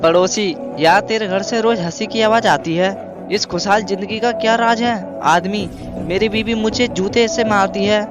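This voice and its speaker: A man's voice: sits high, steady tone, moderate pace. Man telling jokes over background music. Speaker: joke narrator. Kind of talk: scripted comic joke reading.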